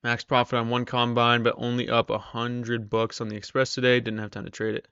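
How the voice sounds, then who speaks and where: A man's voice: medium pitch, monotone, brisk, bright, forceful tone, smooth, dry recording, highs cut off. A man hosting a casual live stream, chatting with viewers while losing his voice. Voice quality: strained, tired voice. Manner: chatty, reads viewer comments aloud. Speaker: live-stream trader host.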